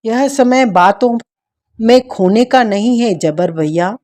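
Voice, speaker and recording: Storybook: hushed, urgent young noblewoman , read by a woman; slow, mellow. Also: on the high side, expressive. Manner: hushed, whispering.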